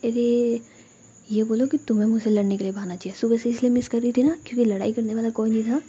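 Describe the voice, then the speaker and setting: A woman's voice: a little high, flat delivery, quick pace, dark tone, husky, dull audio. A woman voicing a bossy young girlfriend who scolds and repeats herself.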